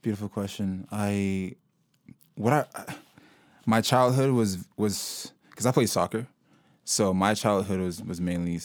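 A young man from Sudan, a local hip-hop artist, talking about his music in a relaxed, rambling way with many fillers and restarts. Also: fairly low pitch, a little slow, no echo, studio quality. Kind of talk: casual interview conversation.

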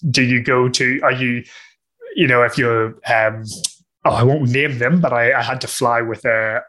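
A man with a Northern Irish accent answering interview questions in a thoughtful, conversational way, pausing often with fillers and restarts. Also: medium pitch, steady tone, sharp tone. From Northern Ireland. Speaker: guest discussing customer success.

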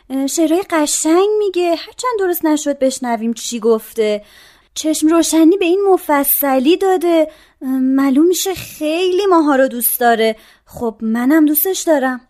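An actress playing a gentle, tearful young daughter in a radio play. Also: female voice, high-pitched, close to an everyday voice. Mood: tearful, tender. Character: tender young daughter, bride-to-be.

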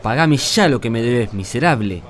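A man's voice: medium pitch, lively intonation, moderate pace, natural voice. An actor playing an indebted subject in a radio drama, intense and emphatic in his delivery. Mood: angry contempt. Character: desperate indebted subject, servile upward, harsh downward.

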